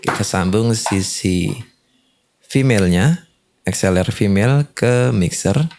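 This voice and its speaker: A man's voice: lowish voice, animated, takes it slowly, a little mellow, slight background noise. A man presenting a step-by-step tutorial, explaining and often adding short confirming tags. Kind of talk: step-by-step instructional demonstration.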